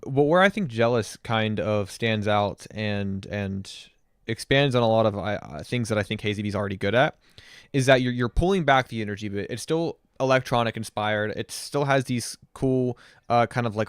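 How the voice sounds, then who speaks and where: A man talking through a casual music review on stream, mid-pitched and rambling, full of fillers and restarts. His voice is smooth and clear, recorded close and dry with no room sound. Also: normal speed, no echo.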